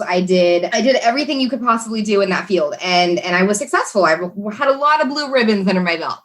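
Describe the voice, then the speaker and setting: A woman's voice: medium pitch, fairly bright tone. Woman, podcast guest, earnest and chatty storyteller, mid-range voice. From Texas, USA. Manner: earnest and chatty, many "like" and "you know" fillers. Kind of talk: telling her life story in a casual interview.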